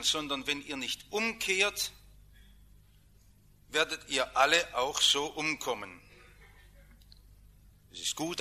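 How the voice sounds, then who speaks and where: A man preaching a sermon, emphatic, with dramatic swings between quiet and loud. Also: mid-range voice.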